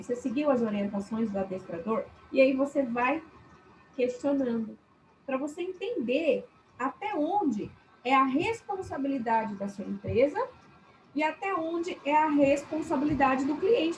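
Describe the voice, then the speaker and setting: A woman's voice: sits high, slight background noise, poor audio. A woman teacher with a Brazilian Portuguese accent giving a chatty classroom lecture on customer service, often turning to the class and acting out short examples. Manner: chatty, addresses class as "gente", acts out examples.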